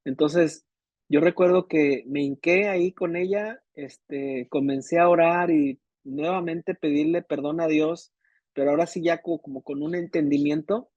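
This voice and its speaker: A man telling his conversion testimony to a pastor in an emotional, halting way with many restarts. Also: a little high, steady tone, a little mellow, dry recording, highs cut off. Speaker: church member giving testimony.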